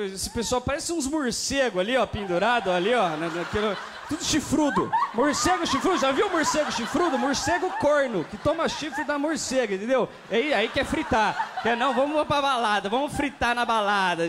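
High-pitched young Brazilian man doing stand-up. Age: young adult. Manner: animated, exclaiming, repeats phrases. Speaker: stand-up comedy contestant. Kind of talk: improvised stand-up comedy. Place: TV studio stage with live audience. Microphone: handheld. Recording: noisy studio with audience laughter.

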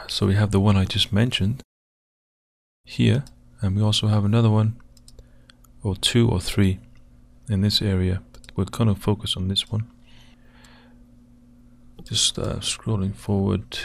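A man with a croaky, gravelly voice narrates at an unhurried crawl, stopping often to hunt for the right frame. His voice sits a little low, and keyboard clicks from his desk come through now and then. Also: slight background noise. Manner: hesitant, pausing often with fillers. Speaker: video host analysing footage. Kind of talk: slow screen-recorded commentary.

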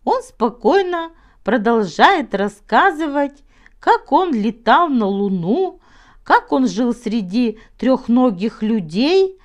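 A woman reading a children's story in an expressive, deliberate storytelling manner. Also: a little high. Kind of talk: scripted children's storybook narration.

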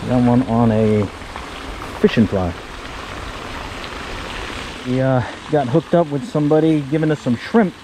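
A man's voice: mid-range voice, measured pace, pauses often, background noise. A man casually narrating his fishing trip from a pond pier, chuckling as he explains his gear and catches. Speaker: fishing vlogger. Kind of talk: casual fishing vlog commentary. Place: outdoors at a park pond on a pier. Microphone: action camera.

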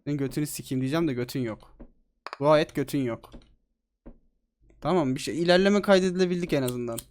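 A man giving excitable, joking let's-play commentary on a horror game, swearing freely. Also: on the high side, a little fast, background noise. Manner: excitable, swears a lot, jokey. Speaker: gaming streamer.

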